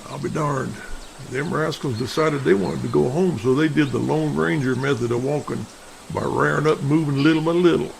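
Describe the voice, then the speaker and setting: A man playing a folksy, plain-spoken seasoned hunter with a gravelly voice in an amateur audio drama. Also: a little high, normal speed, low-quality recording. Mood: wry. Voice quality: gravelly, creaky. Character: folksy, grumbling seasoned hunter on a camping trip. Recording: faint background noise.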